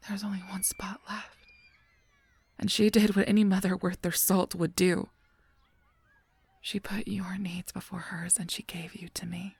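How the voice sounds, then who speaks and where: An actor playing a solemn, protective guardian angel in an audio drama, speaking gravely and formally with a husky voice. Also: mid-range voice, no echo, exaggerated voice. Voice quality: husky, breathy, creaky voice. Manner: grave, measured, formal speech. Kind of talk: scripted audio roleplay acting.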